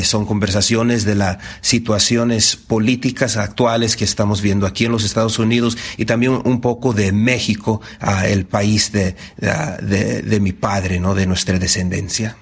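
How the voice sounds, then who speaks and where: A man in his thirties from the United States, a podcast guest speaking hesitantly with many fillers. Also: on the low side. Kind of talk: casual interview.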